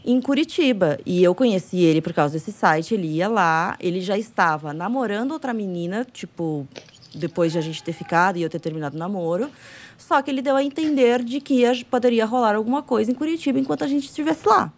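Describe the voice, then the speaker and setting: Woman telling a story, mid-pitched. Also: a little fast. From southern Brazil. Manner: lively confessional storytelling. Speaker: podcast co-host. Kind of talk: casual chat, storytelling.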